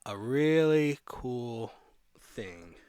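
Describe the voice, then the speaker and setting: Demonstrating software for a music production tutorial, a man thinks aloud casually and informally. His medium-pitched voice is expressive and clear with a resonant tone, stretching out his words, captured in clean studio sound without echo.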